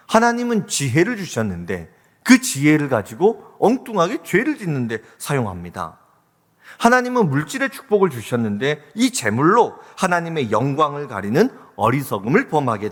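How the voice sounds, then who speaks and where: A man preaching a sermon as pastor in a church sanctuary, exhorting his listeners with rising, impassioned calls. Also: medium pitch. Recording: reverberant church hall.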